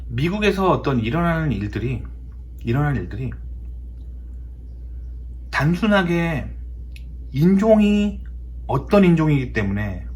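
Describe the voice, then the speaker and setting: Korean man telling stories with lively swings. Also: medium pitch, a little hiss or hum. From South Korea. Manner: emphatic, repeats words, acts out quotes. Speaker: host of a talk show. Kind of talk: casual storytelling monologue.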